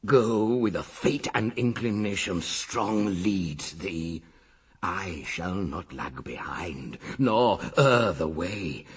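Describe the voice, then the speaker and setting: An actor playing Death, a grim ravenous monster of hell, speaking menacing, savoring verse in a rasping husky voice for radio drama. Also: male voice, deep voice, animated, slow. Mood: hungry, menacing.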